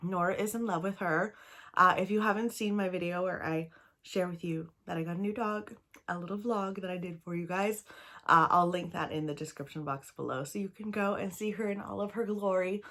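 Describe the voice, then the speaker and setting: A woman's voice: fairly low pitch, brisk, a bit bright. A woman in her thirties from Canada, talking casually to camera about books she wants to read; she rambles in a chatty way, sounds a little tired, and is slightly snuffly from a cold. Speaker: book vlogger.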